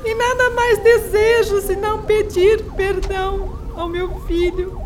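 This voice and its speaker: A woman's voice: very high voice, steady tone, a little slow. A woman acting in a radio drama as a remorseful, tearful parent humbly begging forgiveness. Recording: loud siren and vehicle noise behind.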